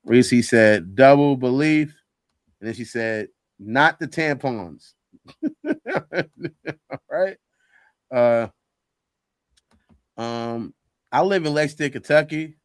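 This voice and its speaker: A man's voice: mid-range voice, slow, long pauses, no echo. Laid-back male show host, dry mic. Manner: relaxed, chatty, reads comments and headlines. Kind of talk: casual show talk.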